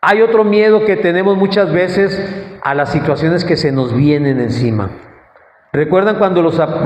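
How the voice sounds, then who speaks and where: A man delivers an animated sermon, acting out the people in his stories. His voice sits fairly high for a man. The recording is dull and lo-fi, with a long, roomy church echo and faint noise behind him. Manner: animated preaching, acts out quoted dialogue. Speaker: pastor. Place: church sanctuary.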